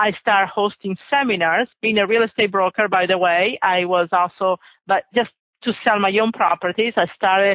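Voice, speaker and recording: A woman talks at a fairly quick pace with a slight Italian accent. Her intonation stays fairly even. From Italy, Venice. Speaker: real estate coach and investor. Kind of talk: interview. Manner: hesitant fillers.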